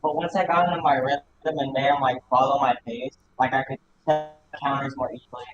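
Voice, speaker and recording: A man's voice: mid-range voice, steady tone. A man talking casually and slangily after his boxing match over a muffled headset mic that sounds underwater. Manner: laid-back, slangy, talks of himself with quick repeats. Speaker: boxer interviewed after his fight. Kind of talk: casual post-fight chat. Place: at home on his PC. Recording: muffled lo-fi voice chat mic with room echo.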